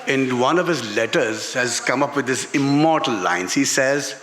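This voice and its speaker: Pakistani guy, author at a book talk, mid pitched voice, kinda halting, repeats words to make his point. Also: bright, forceful tone. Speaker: author and journalist being interviewed. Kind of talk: live book talk, spontaneous answers. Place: literary festival stage in a garden venue.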